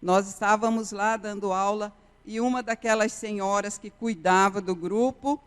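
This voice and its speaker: A woman's voice: medium pitch, steady tone, normal speed, clean tone. A woman, a missionary telling an earnest testimony in a sermon, often repeating key phrases. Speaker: missionary preacher. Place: church sanctuary. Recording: reverberant church hall.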